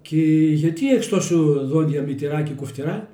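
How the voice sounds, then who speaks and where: A naive little village girl asking innocent questions, as a man puts her on. She speaks with a Kozani accent in a mellow, dark tone. The recording sounds roomy. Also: on the high side, animated, close to an everyday voice. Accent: Kozani Greek dialect. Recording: roomy echoey room.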